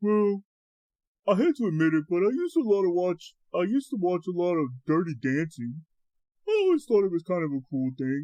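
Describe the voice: A man puts on a character voice, pitched high. He talks at a fairly quick pace.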